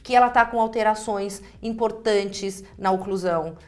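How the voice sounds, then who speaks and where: A woman's voice: mid-range voice, normal speed, darkish tone. A Brazilian woman speaking as a guest dentist, explaining clinical practice conversationally and restating phrases for emphasis.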